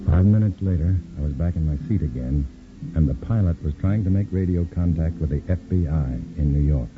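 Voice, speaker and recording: An actor playing a cool-headed male undercover agent who also narrates briskly, heard on an old radio broadcast recording. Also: extremely low pitch, narrow, tinny audio, over loud music. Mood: calm. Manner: brisk, wry first-person narration. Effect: old scratchy radio broadcast recording. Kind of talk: 1950s radio drama acting.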